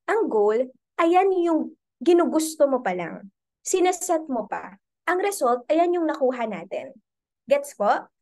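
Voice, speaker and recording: A young woman with a Filipino accent teaching a team in an online training call, animated and full of tag questions. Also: high voice. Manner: animated, code-switching, asks many tag questions. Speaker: business mentor. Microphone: video call.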